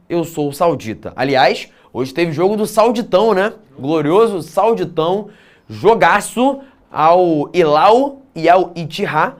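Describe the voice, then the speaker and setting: Chatty man teaching a class. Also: on the high side. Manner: casual asides, frequent "né?". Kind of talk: exam prep lecture.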